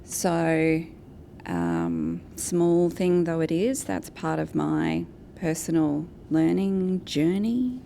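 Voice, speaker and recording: An Australian woman giving a prepared conference presentation as a guest speaker, in a measured, structured way. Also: deep voice, animated, vocal fry, warm tone, a little hiss or hum. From Australia, New South Wales and Brisbane. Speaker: guest speaker, advocacy and communications director. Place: event venue with an in-person audience.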